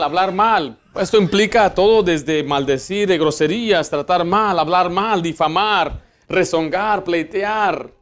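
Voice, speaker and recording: A man, a pastor preaching a sermon in church and putting earnest rhetorical questions to his congregation. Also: high voice. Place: church sanctuary.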